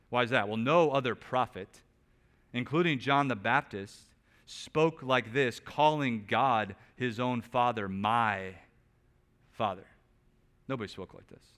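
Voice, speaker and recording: A man preaching a sermon, asking rhetorical questions and swinging between quiet, low stretches and loud, emphatic bursts. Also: smooth. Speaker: pastor. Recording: long reverb of a large hall.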